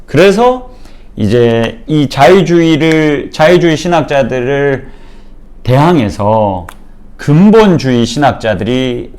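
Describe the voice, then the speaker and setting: A man's voice: medium pitch, big pitch swings, slow pace, a little mellow. A man giving a Bible lecture to a church audience, explaining patiently and speaking straight to his listeners with frequent fillers. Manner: explanatory, addresses listeners directly, many fillers.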